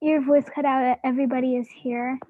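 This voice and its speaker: A woman's voice: high-pitched, flat delivery, a little fast. A woman in an online study group, answering briefly over a bad connection that makes her voice thin and choppy. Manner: short, direct answers. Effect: thin, choppy voice over a bad call connection. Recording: tinny, phone-like call audio.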